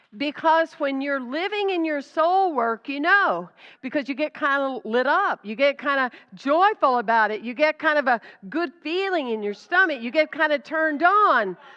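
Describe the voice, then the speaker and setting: A woman with an American accent uses a raised, projected voice that is animated, high-pitched, bright and sharp, with very wide pitch swings. The sound is dry and close with no echo, over a quiet background. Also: moderate pace. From US South, South Carolina. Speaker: minister. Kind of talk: sermon.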